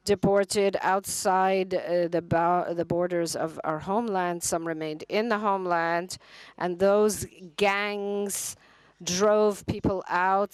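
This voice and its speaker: A woman interprets a speech at a conference, speaking slowly in a smooth, clear voice. She halts often, restarts her phrasing and fills the gaps with brief fillers. The sound is close and dry. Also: on the low side, no echo. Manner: halting, with frequent restarts and fillers. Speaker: simultaneous interpreter. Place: conference hall.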